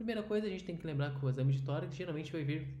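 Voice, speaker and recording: A man's voice with audible room echo. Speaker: radiologist and teacher. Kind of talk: lecture. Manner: fast.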